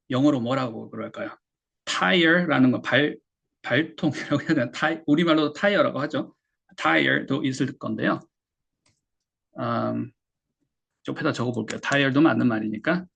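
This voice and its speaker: A Korean man teaching English pronunciation, patiently explaining and slowly repeating words for learners. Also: mid-range voice, creaky, fairly bright tone, slightly rough. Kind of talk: explaining lesson.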